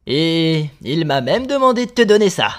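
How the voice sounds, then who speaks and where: A man's voice: fairly high pitch, very animated, moderate pace, background noise. A man voicing a smug, teasing male rabbit prankster, sly and nonchalant, in a cartoon fan dub.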